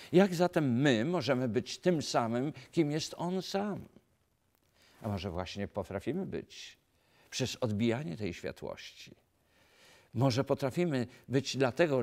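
A man in his fifties from Poland, a pastor giving an earnest sermon to camera in a studio, asking rhetorical questions, recorded on a lapel mic. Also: medium pitch. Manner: earnest, animated preaching with rhetorical questions and gestures. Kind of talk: filmed sermon talk to camera. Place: dark studio set, indoors.

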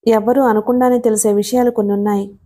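A woman reading the lines of a devoted young husband, gentle and quietly pleading. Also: fairly high pitch, little pitch movement, quick pace, close to an everyday voice. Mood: tender.

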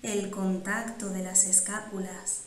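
A woman guiding a meditation in calm, measured instructions with pauses between phrases. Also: mid-range voice, slight background noise. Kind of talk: slow, soothing guided meditation. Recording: roomy, echoing sound.

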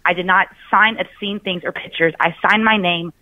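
A woman's voice: fairly low pitch, steady tone, normal speed, no room sound. Indignant woman on a tinny phone line. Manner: indignant, defensive, insistent. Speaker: prank call target. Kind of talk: phone conversation.

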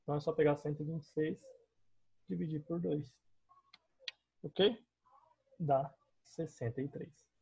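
Husky Brazilian man teaching math. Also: a little high, fairly even intonation, unhurried, long pauses, mellow, highs cut off. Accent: Brazilian Portuguese. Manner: patient step-by-step explaining, checks in with students often. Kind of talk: online math class explaining on a digital board. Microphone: voice-over on screen recording.

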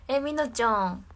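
A woman's voice: fairly high pitch, a bit bright, slight background noise. A young woman, chatting casually on a live stream alone in her room and reacting to viewer comments. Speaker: idol livestreamer.

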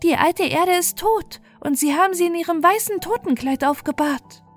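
A woman's voice: extremely high pitch, normal speed, voice pushed up. A woman voicing a dainty little chirping songbird in a fairy tale, with music behind. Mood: chirpy. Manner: chirping, twittering. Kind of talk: fairy tale storybook reading.

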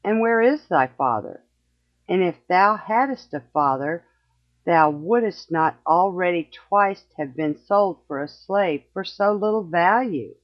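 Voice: medium pitch, lively intonation, slow, dry recording. A reader voicing scornful men, slave traders who mock a captive in archaic speech. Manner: mocking, scornful. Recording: slightly muffled lo-fi recording.

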